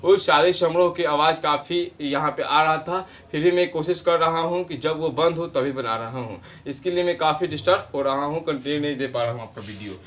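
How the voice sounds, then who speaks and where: Man, fairly high voice, grammar teacher, slow repeated examples, lesson-style talk. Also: a bit bright. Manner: explains slowly with repeated example phrases. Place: home in a village, wedding noise nearby.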